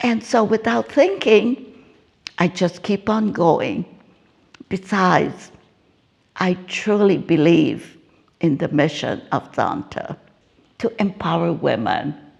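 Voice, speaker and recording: A medium-pitched woman's voice with vocal fry and very wide pitch swings, at a very slow pace with long, frequent pauses. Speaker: retired teacher and club volunteer. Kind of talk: interview answer.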